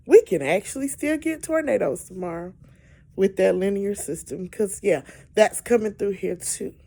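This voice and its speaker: A woman's voice: mid-range voice, lively intonation, moderate pace, gravelly, dark tone. Woman, amateur weather commentator, exasperated, emphatic, mid-range voice. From Georgia, US. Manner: exasperated, emphatic, repeats words for stress. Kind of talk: casual weather update rant.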